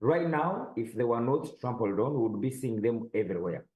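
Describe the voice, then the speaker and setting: Male host, mid-pitched, brisk moderator. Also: lively intonation, narrow, tinny audio. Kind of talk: hosting a news roundup.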